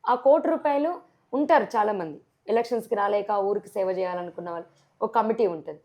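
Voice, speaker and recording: Answering on TV as a sarpanch candidate, a woman with a Telangana Telugu accent speaks a little fast at medium pitch. She is forceful and leans heavily on rhetorical questions.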